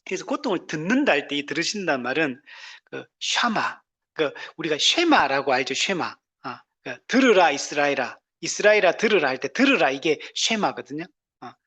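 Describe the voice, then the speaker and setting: A pastor preaching a conversational sermon, often asking the congregation "right?" and laughing lightly, moving between loud emphatic lines and soft low asides. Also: breathy edge.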